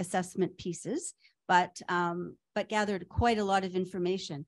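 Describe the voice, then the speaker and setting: Fairly even intonation from a woman at a moderate pace, her voice medium in pitch. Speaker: government nursing official. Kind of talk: panel presentation.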